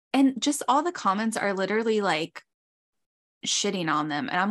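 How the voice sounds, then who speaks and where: Loud and at a moderate pace, a woman speaks with medium pitch and very wide pitch swings. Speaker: podcast host. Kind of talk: casual chat. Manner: loud, vocal, laughs a lot.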